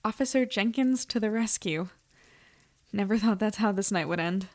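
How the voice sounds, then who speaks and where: A woman's voice: mid-range voice, moderate pace, a little mellow, dry recording, lightly acted. A woman playing a plucky young investigator in an audio drama, casual and wry as she speaks. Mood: wry, shaken. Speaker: lead character and narrator. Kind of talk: audio drama acting, conversational narration.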